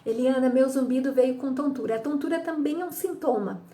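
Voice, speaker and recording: A woman's voice: high voice, brisk, warm tone. A middle-aged woman, a hearing specialist, explains the causes of ear ringing in a teaching tone, often checking in with listeners and acting out what her patients say. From Brazil. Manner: didactic, frequent "tá?" check-ins, acts out patient quotes. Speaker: audiologist and psychologist. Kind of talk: explanatory health talk.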